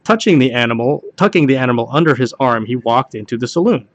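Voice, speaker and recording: A man reads jokes aloud in a casual, homemade style. His voice sits at an average pitch, and he trips on the wording now and then, going back to reread a line. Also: lively intonation, quick pace, no echo. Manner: stumbles over the text and rereads lines. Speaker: joke reader hosting a home video.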